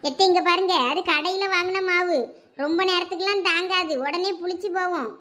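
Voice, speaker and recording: Someone voicing a high coaxing young wife. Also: fairly even intonation, brisk, pushed and bright. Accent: Thoothukudi Tamil. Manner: coaxing, persuasive. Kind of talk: cartoon voice acting.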